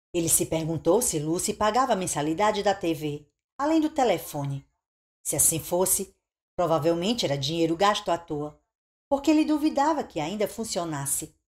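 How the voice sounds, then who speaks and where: A woman speaks at a moderate pace with a fairly low pitch, a dramatic tone and very wide pitch swings. The recording is very clean, with a silent background. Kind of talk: audiobook narration reading a novel aloud; dramatic narration of a tense horror scene. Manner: dramatic, suspenseful, tense pacing with shifting tone for fear and dialogue.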